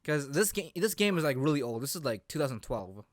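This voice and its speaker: A man hosting a casual podcast chat about games, halting as he repeats and rephrases himself. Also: on the high side, big pitch swings, no echo, studio quality. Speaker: podcast host.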